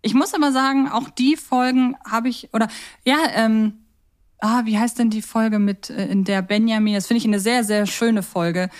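A woman's voice: fairly high pitch, fairly even intonation, moderate pace, a little mellow. A woman co-hosting a podcast, chatting casually in a reflective, questioning way. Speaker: podcast co-host. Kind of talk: casual podcast chat about audio dramas.

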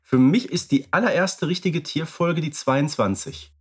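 A man co-hosting a podcast, chatting casually, relaxed and thinking aloud with frequent filler sounds. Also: a little high, a little slow, husky. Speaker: podcast co-host.

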